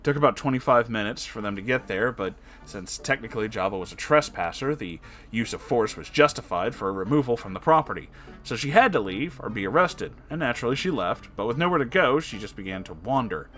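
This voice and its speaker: Expressive man narrating over music. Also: mid-range voice, brisk. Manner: expressive, casual, profane. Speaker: online story narrator. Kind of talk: dramatic story reading with personal reactions. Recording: music behind the voice. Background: background music.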